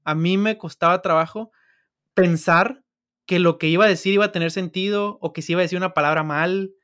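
High-voiced Mexican man, slangy and loose. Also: fairly even intonation, brisk, fairly bright tone. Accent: Mexican Spanish. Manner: loose, slangy, laughs often. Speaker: software engineer guest. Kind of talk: casual podcast chat.

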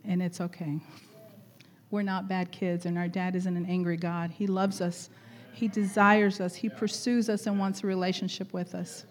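A middle-aged woman leading a church gathering, chatty and laughing often, her voice going hoarse. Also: on the low side, little pitch movement, moderate pace. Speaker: church leader. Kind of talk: warm casual church greeting and exhortation.

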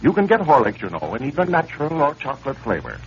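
A man announcing on a 1930s radio show, with a smooth, emphatic sales delivery and a recap of the story. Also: medium pitch, huge pitch swings, quick pace. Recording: old lo-fi radio transcription with hiss.

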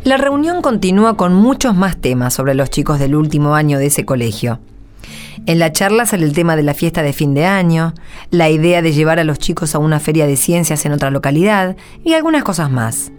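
Woman narrator with animated intonation. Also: low voice, brisk, soft background music. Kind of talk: scripted radio drama narration.

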